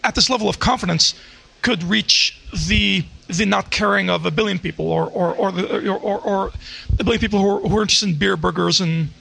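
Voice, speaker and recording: A man speaks haltingly at a roundtable, stumbling over his words. His voice is high and very gravelly, with a husky edge. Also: sharp tone, low-quality recording. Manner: halting, many restarts. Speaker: roundtable participant. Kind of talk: casual roundtable discussion.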